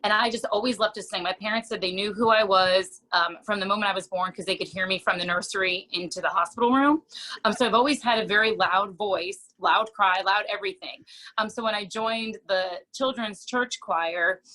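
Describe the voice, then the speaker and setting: A woman's voice: mid-range voice, brisk, bright, forceful tone, poor audio. A woman in her thirties from New Jersey, a music teacher chatting casually in an interview, with a tired, worn voice and lots of ums.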